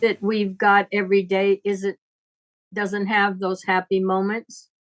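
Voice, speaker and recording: A woman's voice: mid-range voice, little pitch movement, measured pace. An older woman talking off the cuff like a teacher in conversation, blunt and probing. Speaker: astrologer giving teachings.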